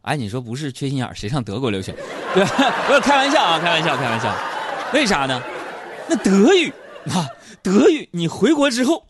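A man's voice: wildly swooping pitch, a little fast, a crowd in the background, noisy background. A man with a Northeastern Chinese accent hosting a comic storytelling monologue, playful and teasing, jumping into mock voices. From Northeast China. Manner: jokey, playful teasing, sudden jumps into high mock voices. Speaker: host.

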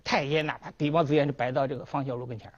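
A man giving a history lecture as a story, animated and acting out the dialogue. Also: medium pitch, very fast. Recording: dull lo-fi recording.

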